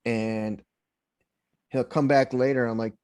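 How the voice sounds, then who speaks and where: A man's voice: mid-range voice, steady tone, takes it slowly, a little mellow. A man hosting a podcast interview, asking questions plainly and chatting casually. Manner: direct, reads questions plainly. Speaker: podcast host.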